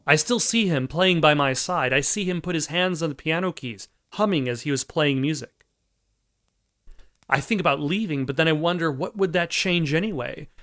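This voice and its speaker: Man, let's play host, reads game text aloud, slightly high voice, casual asides. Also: normal speed, fairly bright tone.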